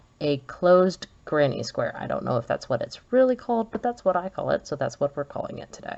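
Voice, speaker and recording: A woman speaks with lively intonation at a fairly low pitch. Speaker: crochet teacher. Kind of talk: tutorial. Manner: slow; hesitant, many fillers.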